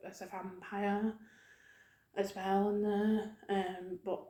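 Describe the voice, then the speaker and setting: A woman speaking softly in an ASMR style, rambling gently and haltingly as she talks to her viewers. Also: mid-range voice, level tone. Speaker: video creator hosting her own channel. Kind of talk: soft-spoken ASMR ramble about video games. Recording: roomy, echoing sound.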